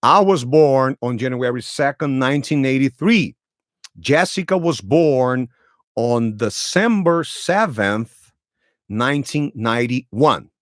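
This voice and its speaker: Slow, lively Brazilian man retelling for learners. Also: mid-range voice, no echo, clean studio sound. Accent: Brazilian Portuguese. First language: Portuguese. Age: 30s. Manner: repeats and rephrases each sentence for learners. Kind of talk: slow storytelling lesson for learners.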